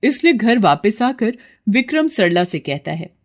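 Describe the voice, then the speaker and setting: Woman narrating a kids cartoon story, calm steady voice, medium pitch. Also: measured pace. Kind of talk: scripted narration.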